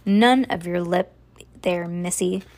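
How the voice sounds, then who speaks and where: A woman voicing an exasperated mother in a children's storybook, brisk and scolding. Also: fairly low pitch, darkish tone. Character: exasperated mother of a young girl.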